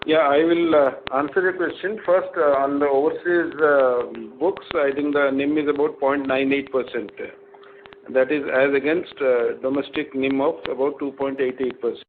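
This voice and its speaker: A man answers questions as an executive on a conference call. He speaks in a halting, measured way. His voice comes over a very narrow phone band with faint noise. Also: mid-range voice, fairly even intonation. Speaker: bank executive. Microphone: conference phone line.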